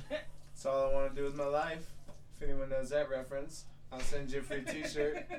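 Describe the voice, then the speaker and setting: A man with an American accent speaks at a fairly high pitch and a moderate pace, in a flat monotone. Audible room echo and noticeable background noise surround him. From West Virginia. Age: 30s. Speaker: podcast host. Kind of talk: casual chat. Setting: recording in Tahoe. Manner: casual, filler-heavy.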